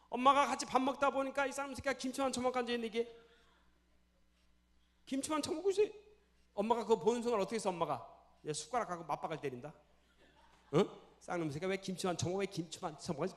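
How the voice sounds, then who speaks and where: A man preaching a sermon in a church, animated, firing questions at the congregation and acting out scenes. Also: sits high, fast, long pauses. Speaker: pastor.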